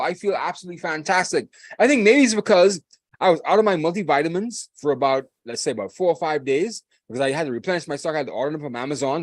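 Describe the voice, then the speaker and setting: A Bahamian man in his forties with a higher-pitched voice hosts a podcast, chatting in a hyped, rambling, casual way. He repeats himself and laughs often, and there's no echo.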